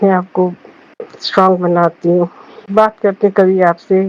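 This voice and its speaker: A woman's monotone, flat intonation in a dry, close sound with no echo. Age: 70s. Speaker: devotee sharing personal testimony. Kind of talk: recorded audio testimony.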